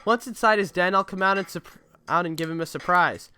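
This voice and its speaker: A man's voice: high voice, a little fast, pushed and bright, a little hiss or hum. A man voicing a starving, grateful beggar in a game, eager and pleading.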